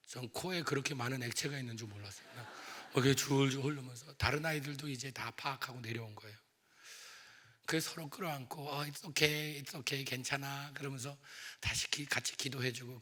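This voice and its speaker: A man's voice: medium pitch, bright, forceful tone. A pastor in his forties telling a personal story in a revival sermon. He speaks with emotion and builds to fervent appeals. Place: church sanctuary. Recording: church hall reverb.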